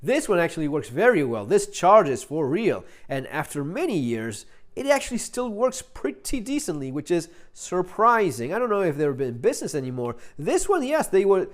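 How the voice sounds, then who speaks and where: A man giving a casual, unscripted gear review, rambling and halting as he thinks aloud. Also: high voice, sing-song. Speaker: product reviewer, channel host. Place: indoors.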